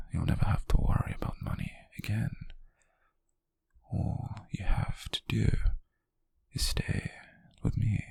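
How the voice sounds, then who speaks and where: A British man playing a possessive, wealthy young yandere in an ASMR roleplay, coaxing haltingly in a breathy, husky whisper with soft menace. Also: lowish voice, dry recording, heavily acted.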